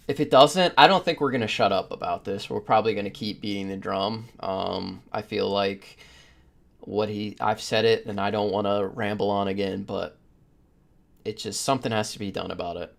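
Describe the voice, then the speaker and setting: A man hosting a podcast in casual discussion, rambling through his opinions with the odd chuckle as he talks. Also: lowish voice. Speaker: podcast host.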